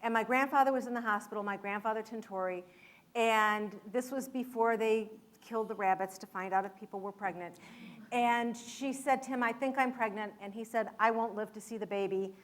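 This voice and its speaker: A woman from Michigan speaks to an audience as an author, her voice sitting somewhat high. She tells a family story in a conversational way, correcting herself now and then. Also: fairly quick. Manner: conversational storytelling, some restarts. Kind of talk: public talk.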